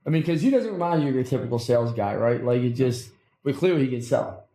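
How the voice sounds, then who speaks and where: A man's voice: mid-range voice, lively intonation, quick pace, dark tone, poor audio. A man with an accent hosting a podcast interview, blunt, brash and teasing. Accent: non-native English. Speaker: podcast host. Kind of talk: casual interview.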